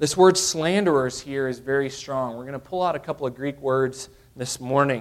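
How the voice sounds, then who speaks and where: A man with a normal speaking voice. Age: 30s. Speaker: pastor. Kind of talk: sermon.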